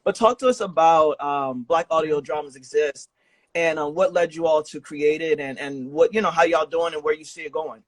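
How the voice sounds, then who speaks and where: A man's voice: fairly high pitch, normal speed, no echo. A man hosting a casual podcast interview, talking in an informal, enthusiastic and affirming way. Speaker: podcast host interviewing a guest.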